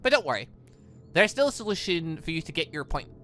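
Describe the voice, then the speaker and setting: A man voicing a composed academy professor in a visual novel, with a measured, formal way of speaking. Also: fairly high pitch, sing-song, bright, forceful tone, soft background music. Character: composed academy professor briefing students on a mission.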